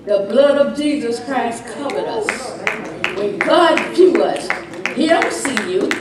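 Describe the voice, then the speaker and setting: A woman delivers a fiery doomsday sermon in a fairly high voice, exhorting and warning of judgment. She drives points home with repetition and rhetorical questions. The recording is heavily echoing, with her voice somewhat distant from the microphone. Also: animated, takes it slowly, very noisy. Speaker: preacher. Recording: very echoey room, distant microphone.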